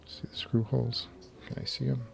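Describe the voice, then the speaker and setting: Man, gravelly voice, mid pitch, casual live-stream host, talks to himself while tinkering, faint music behind. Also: level tone, fairly quick, a little mellow. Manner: mutters to himself while assembling, chuckling. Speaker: livestream host. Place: home garage studio.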